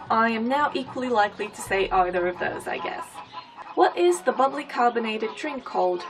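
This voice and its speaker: High-voiced woman with mixed British-American-Bulgarian accent. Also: creaky. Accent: blend of British, American and Bulgarian. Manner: playful, self-deprecating asides. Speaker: vlogger. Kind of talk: casual chatty vlog.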